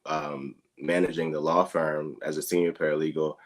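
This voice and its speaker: A man in his thirties from the US Midwest, a guest explaining things in a relaxed, unhurried way with many fillers. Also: extremely low pitch. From Dayton, Ohio, US Midwest. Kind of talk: casual interview talk.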